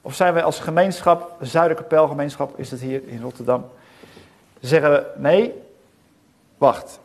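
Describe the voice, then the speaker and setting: A middle-aged man delivers a sermon in a church, his voice sitting a little high for a man. He speaks earnestly and puts rhetorical questions to the congregation. He pauses between short phrases. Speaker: preacher. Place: church hall.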